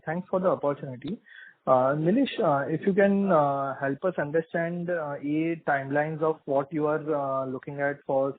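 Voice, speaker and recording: A man asking questions as an analyst on a business call, in hesitant, piecemeal phrases. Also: fairly high pitch. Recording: dry, narrowband phone line.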